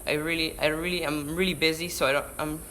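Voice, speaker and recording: A fast-talking teenage boy from Israel, a surfer vlogger with a Hebrew accent, reads viewer questions aloud on a live stream and answers chattily, restarting words mid-sentence. His slightly high voice is level and sharp, recorded indoors by a window on a camera-mounted shotgun mic with a bit of hiss or hum.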